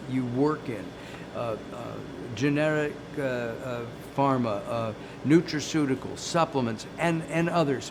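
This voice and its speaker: A man's voice: medium pitch, background noise. A man hosting an interview program, friendly and teasing, often hesitating with "uh". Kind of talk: hosted interview.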